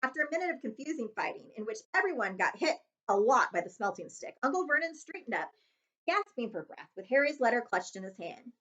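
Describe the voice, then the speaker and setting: A lively, bright female voice narrates a storybook expressively. Her pitch is fairly high, and the recording sounds slightly dull and lo-fi. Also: fairly quick. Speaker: read-aloud host.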